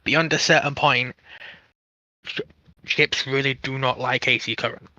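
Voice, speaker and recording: A man in a casual technical discussion as a panel guest, speaking haltingly as he searches for words. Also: mid-range voice, fairly even intonation, sharp tone, dry recording, dull audio.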